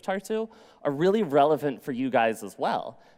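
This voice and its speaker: Speaking with an American accent, a man has an unremarkable speaking voice at a fairly high pitch. His intonation is lively and his pace moderate. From US, Baltimore, Maryland. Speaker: PhD student. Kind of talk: conference talk. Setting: stage with audience. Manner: casual, many fillers.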